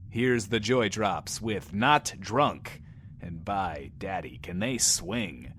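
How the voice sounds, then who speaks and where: A man's voice: low voice, animated, slow. An actor playing a brash, self-loving radio DJ in a post-apocalyptic audio drama, with theatrical, wry showman patter. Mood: wry, sly. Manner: smug, theatrical, wry, refers to himself by name. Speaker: radio host. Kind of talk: in-world radio show monologue, showman patter.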